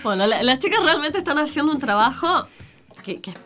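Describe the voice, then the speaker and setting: A woman's voice: high-pitched, big pitch swings, brisk, sharp tone. A woman with an Argentine Spanish accent co-hosting a radio talk show, playful and teasing, with a cold. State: has a cold. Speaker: radio co-host. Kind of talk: casual radio chat.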